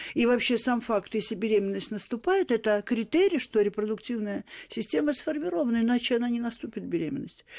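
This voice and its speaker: On a very clean recording with a silent background, a woman with a plain, everyday voice and a fairly high pitch speaks at a fairly quick pace with lively intonation. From Georgia, Tbilisi. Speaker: obstetrician-gynecologist, academic. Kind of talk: radio interview. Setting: studio.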